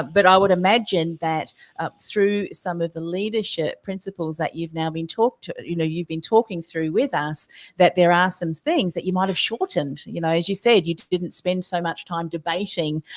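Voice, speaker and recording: A woman's voice: on the low side, normal speed, few pauses. A woman podcast host asking questions thoughtfully, with plenty of fillers. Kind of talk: interview questions.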